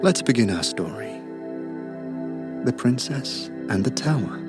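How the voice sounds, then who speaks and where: A man playing a silky, sinister storyteller, narrating a hypnotic dark fairy tale with theatrical, lingering words. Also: medium pitch, animated, unhurried, over music, natural voice. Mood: hushed, ominous. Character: sinister, silky storyteller lulling a traveler to sleep. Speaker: bedtime storyteller.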